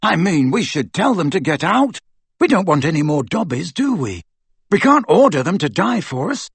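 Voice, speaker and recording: Man as an earnest, higher-voiced teenage boy. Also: big pitch swings, moderate pace, gravelly, breathy edge, no echo, heavily acted. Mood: serious, urgent. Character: teenage boy, loyal friend, earnest and blunt.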